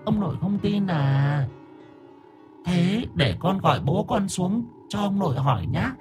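A man's voice: high-pitched, expressive, a little slow, music in the background, pitched above the performer's own voice. A man voicing a pair of small, hungry demon children who plead in a creepy sing-song. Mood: taunting.

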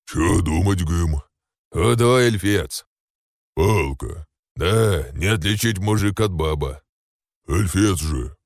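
A man voicing a gruff, slow-witted male orc warrior who talks in broken grammar. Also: deep voice, lively intonation, no echo, studio quality, heavily acted. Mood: blunt.

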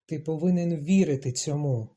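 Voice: medium pitch, moderate pace, close to an everyday voice. An audiobook reader voicing a proud, stubborn young woman who speaks in clipped, emphatic lines and rises into defiant outbursts. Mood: earnest. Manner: clipped, emphatic, rising to shouts.

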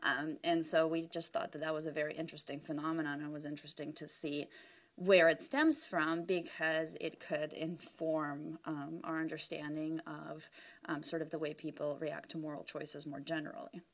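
A woman's voice: deep voice, little pitch movement, moderate pace. A woman researcher explaining her work in an informal interview, discursive and often hedging as she goes. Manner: discursive, hedging with "sort of" and "you know".

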